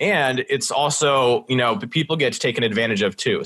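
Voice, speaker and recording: Here a man speaks at a medium pitch. His tone is bright and sharp. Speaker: business coach. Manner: conversational, vulnerable.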